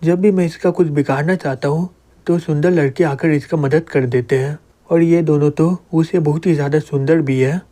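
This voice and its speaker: A jealous young schemer who gloats over a rival's bad luck, voiced by a man narrating a comic. His tone is mellow and a little high. The reading stays close to plain storytelling. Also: fairly even intonation, normal speed, natural voice. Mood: gloating.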